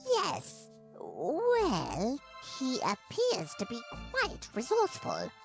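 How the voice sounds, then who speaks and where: A woman voicing a dutiful nun who serves a villain in a fan-made adventure game, speaking in a deferential, measured way. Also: high-pitched, huge pitch swings, vocal fry, over music, exaggerated voice.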